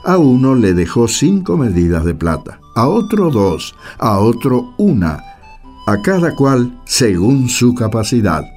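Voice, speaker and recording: A man's voice: mid-range voice, sing-song, unhurried, a little mellow. A man giving scripted storytelling narration for a religious radio play. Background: faint guitar music.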